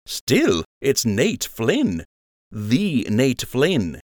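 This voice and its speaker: A man's voice: medium pitch, huge pitch swings, very slow, darkish tone, no echo, studio quality, voice pushed up, heavily acted. A man voicing a teasing young rabbit buddy. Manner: wry, smirking, playful teasing. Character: teasing young male rabbit, joking loyal friend. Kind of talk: audiobook character voice.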